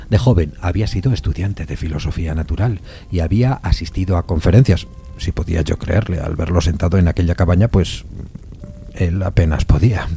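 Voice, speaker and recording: A man narrating a gothic suspense story from a script in a measured, solemn storytelling manner. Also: low voice, mellow, a little hiss or hum.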